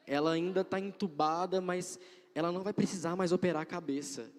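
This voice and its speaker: Young guy w/ doing a church testimony, kinda high voice, lots of hall echo. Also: steady tone, brisk. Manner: earnest, repeats phrases for emphasis. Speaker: church member giving testimony. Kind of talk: religious testimony. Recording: long hall reverb.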